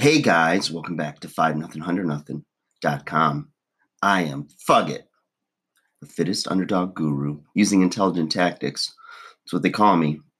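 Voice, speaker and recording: Doing a put-on character voice, a hoarse man speaks very deep and low at a fairly slow pace, his intonation fairly even and his loudness swinging widely. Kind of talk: casual video-blog host.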